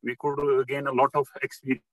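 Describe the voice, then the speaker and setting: A young man from Kashmir politely giving halting feedback as an audience participant on a call. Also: mid-range voice, level tone, a bit bright, no echo, rough recording. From Kashmir, India.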